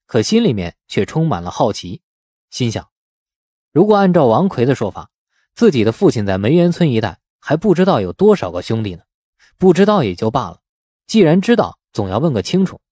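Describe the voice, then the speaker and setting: A man's voice: medium pitch, big pitch swings, a little fast, mellow, husky, no room sound, studio quality. A man narrating a novel as a scripted, dramatic audiobook.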